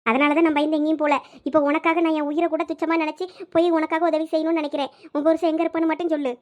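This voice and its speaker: A kindly older servant woman comforts and guards a captive girl in an audio drama, as a woman acts her out. Her voice is very high and she talks quickly, soothing and protective. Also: flat delivery, natural voice. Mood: caring.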